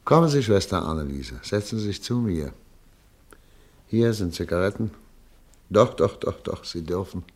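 A man acting in a German radio play as a weary, dignified émigré doctor, grave, deliberate and melancholy. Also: deep voice, expressive. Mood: wistful.

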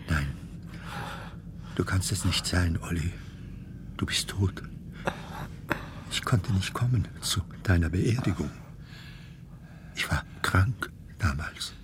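Lively, nervous elderly English comedian. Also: male voice, fairly low pitch, background noise. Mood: hushed grief. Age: 70s. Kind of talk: radio play acting.

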